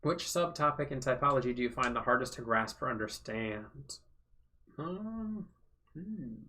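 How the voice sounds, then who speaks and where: A man on a casual home livestream, answering viewers' questions in a loose, rambling way full of ums and likes. His tone is bright and forward, sitting in a middle pitch for a man. After hours of talk his voice is wearing hoarse. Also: lively intonation, measured pace, a little hiss or hum. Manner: rambling, filler-heavy, thinks aloud. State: voice going hoarse from long talking. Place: home room.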